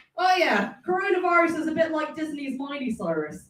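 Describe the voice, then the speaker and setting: The speech moves at a moderate pace with audible room echo. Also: woman. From London. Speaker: comedian. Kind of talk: stand-up. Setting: stage with audience. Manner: animated.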